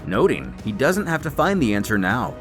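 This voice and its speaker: A man's voice: medium pitch, huge pitch swings, moderate pace, over music. A man delivering scripted story recap narration in a dramatic storytelling manner, with wry asides.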